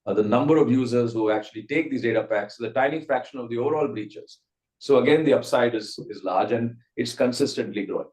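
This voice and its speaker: A man's voice: medium pitch, fast talker, darkish tone. A man with an Indian accent answering as a company executive on an earnings call, methodically setting out his points. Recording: roomy echo.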